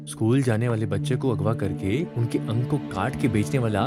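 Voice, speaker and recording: A man's voice: fairly low pitch, moderate pace, loud music behind the voice, close to an everyday voice. A man dubbing an older uncle in a film, indignant and fussy. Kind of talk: Hindi film dub. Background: film score.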